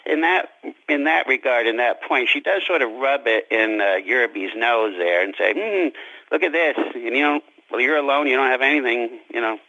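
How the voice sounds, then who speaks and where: A man speaking as an interviewed author, chatting reflectively and haltingly about his fiction, on a slightly dull radio-like recording. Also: medium pitch, expressive, no echo. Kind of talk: casual interview chat about his own story.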